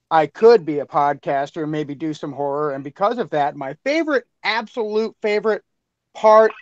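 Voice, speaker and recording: Earnest halting man on a lo-fi mic. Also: a little high, no echo. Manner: earnest, halting, repeats himself. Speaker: podcast creator and co-host. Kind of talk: casual group chat over mics.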